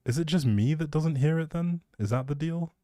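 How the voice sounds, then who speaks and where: A man's voice: a little high, moderate pace, mellow, no room sound. A man hosting a livestream, rambling casually and chattily, often breaking off mid-thought, speaking close to the mic. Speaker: live streamer, host.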